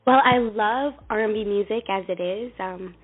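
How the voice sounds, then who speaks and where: A young woman singer with a youthful, baby-like voice, answering interview questions casually with soft fillers. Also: medium pitch, moderate pace. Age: young adult. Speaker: singer guest. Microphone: phone. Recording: tinny phone line.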